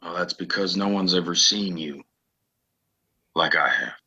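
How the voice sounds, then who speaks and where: A slightly muffled recording of a western audio play. A man acts out a weary, guarded gunslinger with a very low, husky voice and a tense, forceful edge. He speaks haltingly, as a loner would. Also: full character voice. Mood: shy, awkward. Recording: dull lo-fi home recording.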